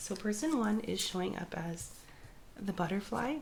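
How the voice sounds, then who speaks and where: Lively intonation from a woman at medium pitch, a fairly slow pace, and noticeable background noise. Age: 30s. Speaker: tarot reader. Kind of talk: tarot reading. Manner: casual, with filler words.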